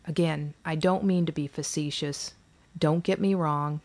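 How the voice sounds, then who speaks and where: A woman's voice: fairly low pitch, normal speed, natural voice. A woman reading the lines of a weary, sarcastic mother who is defensive and exasperated about repeating her family history in therapy.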